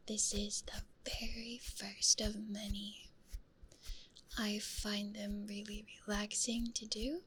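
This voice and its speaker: Female ASMR streamer, hushed breathy whisper, unhurried gentle delivery, close stereo mic, faint background noise. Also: mid-range voice, level tone. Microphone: close stereo ASMR microphone.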